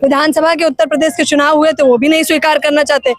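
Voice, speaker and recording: A woman reporter conducting a news interview, asking brisk, probing questions. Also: sits high, little pitch movement.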